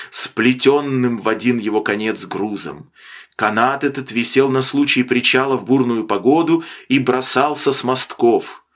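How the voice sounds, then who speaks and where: A man narrating a classic novel as an audiobook, with an expressive, dramatic reading that slows down for emphasis. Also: mid-range voice. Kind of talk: scripted literary narration.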